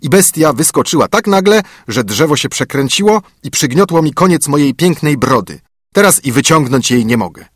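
A man voicing a grumpy, ungrateful little bearded dwarf with a thin, shrill voice who scolds and snaps. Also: expressive, normal speed, no echo, studio quality. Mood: scolding. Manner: scolding, snapping, whining.

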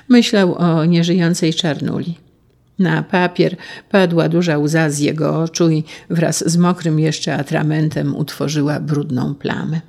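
A narrator reading a children's storybook in an even, unhurried way. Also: medium pitch, creaky, husky.

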